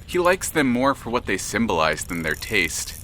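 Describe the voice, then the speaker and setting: A man narrating an audio drama in a measured, dramatic, literary storytelling manner. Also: lowish voice, sing-song, pushed and bright, slight background noise.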